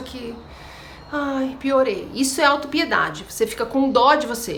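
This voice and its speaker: A woman's high voice over noticeable background noise, with audible room echo. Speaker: vlogger recovering from burnout. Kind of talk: casual vlog monologue. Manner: talkative.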